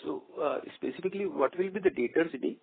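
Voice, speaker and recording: An Indian-accented man puts polite questions to management as a caller. His voice is creaky and raspy, coming over a narrow phone line. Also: fairly high pitch, fast talker. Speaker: investor caller asking questions. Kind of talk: earnings call question.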